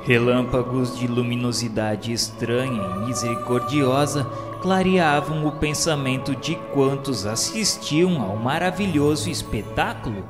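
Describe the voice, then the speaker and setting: A Brazilian man reads scripted radio-novela narration with formal reverence. His delivery is very slow, in a mid-pitched voice with long reverb, over a music bed.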